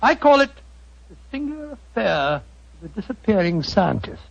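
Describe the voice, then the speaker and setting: A man's voice: high voice, big pitch swings, normal speed, gravelly, husky, heavily acted. An actor playing a flustered, good-natured male doctor in a 1940s radio drama, blustering and bewildered. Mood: genial. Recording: dull old radio recording.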